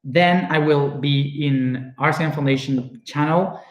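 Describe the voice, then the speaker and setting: Slow, halting man with an Argentine accent. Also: a little high. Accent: Argentine Spanish. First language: Spanish. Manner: searching for words, many fillers and restarts. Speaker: spiritual speaker. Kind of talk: casual personal monologue. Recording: echoey room.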